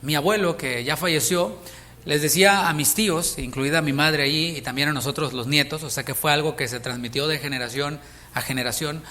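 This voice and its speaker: A man's voice: on the high side, a little fast, pushed and bright, in a large hall. A Mexican man preaching a sermon as pastor, speaking conversationally and asking his listeners questions. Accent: Mexican Spanish. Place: church sanctuary.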